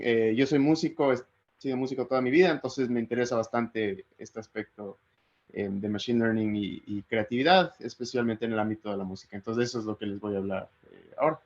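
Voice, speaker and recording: A man from Ecuador, giving a relaxed academic talk over a video call and thinking aloud as he goes. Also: medium pitch. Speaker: guest speaker. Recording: slightly muffled video call audio.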